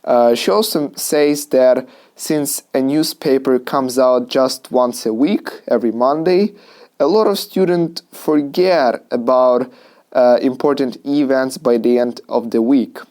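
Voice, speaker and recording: A man's voice: medium pitch, measured pace, a little mellow. A young man, a university student, giving a structured spoken exam answer with frequent "uh" fillers. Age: young adult.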